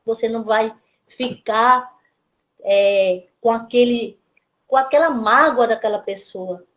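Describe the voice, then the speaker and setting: A woman giving a devotional spiritist talk, telling a parable with slow, emphatic phrasing. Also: fairly high pitch, a bit bright. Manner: storytelling, voicing father and daughter in quotes. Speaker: spiritist lecturer.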